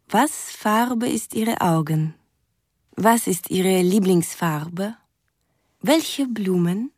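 A woman's voice: medium pitch, dark tone, dry recording, clean studio sound. An actress playing a cheerful young Russian woman reading her romantic letters aloud in stilted, ungrammatical sentences in a radio drama. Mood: eager, earnest.

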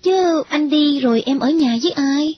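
A woman's voice: sits high, normal speed, slight background noise, pitched above the performer's own voice, lightly acted. A woman voicing an affectionate, playful young wife, coaxing and teasing. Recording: dull lo-fi recording.

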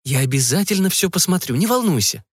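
A man voicing a calm young woman who speaks softly, confidently and reasonably. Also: high-pitched, fast, slightly rough, no echo, clean studio sound, voice pushed up, exaggerated voice.

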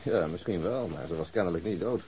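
An actor playing a calm, patient police inspector in a radio drama, questioning in a measured, courteous way. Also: male voice, deep voice, lightly acted. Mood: patient, sceptical. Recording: faint hiss.

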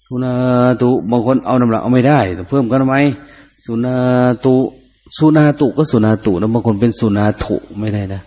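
Older monk, mellow dark voice, chants Pali then explains, muffled lo-fi recording. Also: male voice, medium pitch, fairly quick. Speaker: Buddhist monk teacher. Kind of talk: dhamma talk teaching Pali chanting.

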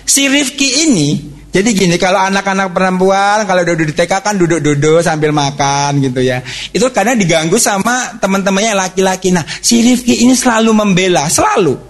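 A man giving a parenting seminar to mothers, telling family stories in a lively, conversational way and speaking straight to his audience. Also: high voice, a little fast. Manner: lively storytelling, acts out family dialogue; conversational, addresses audience directly.

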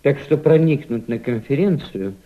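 An actor in a Russian radio drama playing an embittered, fervent White émigré conspirator, theatrical, insistent and persuasive. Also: male voice, medium pitch, expressive, moderate pace, lightly acted. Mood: insistent, conspiratorial. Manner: theatrical, insistent, emphatic repetition. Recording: dull, lo-fi old radio play recording.

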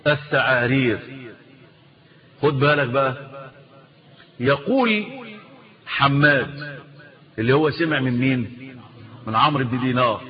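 A man with an Egyptian Arabic accent giving a religious lesson, asking the listener rhetorical questions and drawing out quoted words slowly. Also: mid-range voice, lo-fi sound. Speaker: Islamic scholar teaching.

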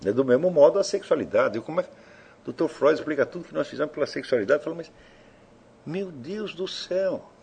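Man, lecturer, husky voice, lively swinging pitch, provocative rhetorical questions. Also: a little fast. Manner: provocative, asks rhetorical questions, swears casually. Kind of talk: informal philosophy lecture.

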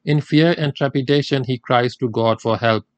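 Older Gujarati-speaking man giving a measured lecture. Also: medium pitch, no room sound. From India. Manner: measured, deliberate delivery with Quranic recitation. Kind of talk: formal religious lecture.

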